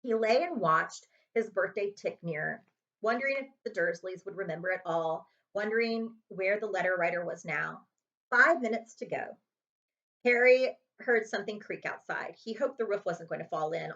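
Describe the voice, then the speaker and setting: A woman reading a children's chapter book aloud as an expressive storyteller, like a librarian at story time. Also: lowish voice, normal speed, dull audio. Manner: expressive storytelling with character voices.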